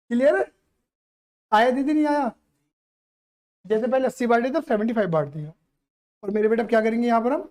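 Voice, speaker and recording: A man's voice: very high voice, moderate pace, pauses often, darkish tone. A man teaching accountancy to a live class, playful and teasing as he keeps quizzing the students.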